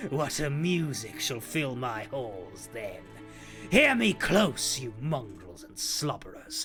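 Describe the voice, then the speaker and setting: A man growls in a put-on character voice with fairly high pitch. Clear music plays behind him. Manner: snarling, furious, threatening.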